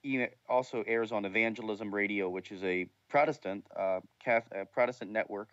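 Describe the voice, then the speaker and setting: A man co-hosts a radio talk show, relaxed and easygoing as he reads out listener questions. His voice sits at a mid pitch and sounds a little dull and muffled, with dry, close acoustics. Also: normal speed, no echo. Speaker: show producer and co-host.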